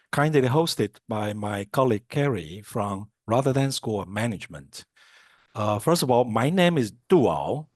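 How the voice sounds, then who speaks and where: A middle-aged man delivers a formal, courteous scripted introduction as a webinar presenter. His voice sits at a medium pitch, with a dry sound free of room echo. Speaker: student recruitment specialist, guest presenter.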